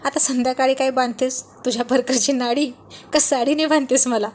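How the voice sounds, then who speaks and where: A woman voicing a quick-tempered husband who grumbles and snaps at his wife. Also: high-pitched, steady tone, darkish tone, slight background noise, natural voice. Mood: irritated. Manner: grumbling, irritated.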